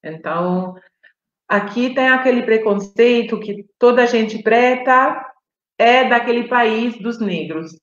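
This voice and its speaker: A woman's voice: fairly high pitch, slow pace. Reflective woman, echoey dull call audio. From Brazil, raised in Italy. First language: Italian. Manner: reflective, searching for words, with small restarts. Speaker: guest on a live stream. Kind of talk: personal storytelling on a video call.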